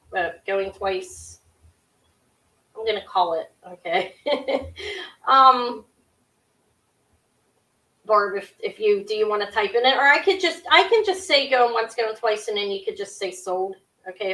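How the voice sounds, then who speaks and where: A middle-aged woman with a sharp, high-pitched voice, hosting a live jewelry auction from her desk at home, chatty and scattered with lots of ums and quick restarts. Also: low-quality recording. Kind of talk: casual live-stream selling. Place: small home room with shelves of jewelry displays.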